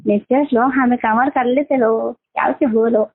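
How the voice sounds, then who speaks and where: A woman's voice: on the high side, steady tone, measured pace, dry recording. A young woman with a Hyderabadi Deccani accent chatting privately on the phone in brief, tentative replies. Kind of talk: private phone conversation, casual chat. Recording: tinny phone call recording.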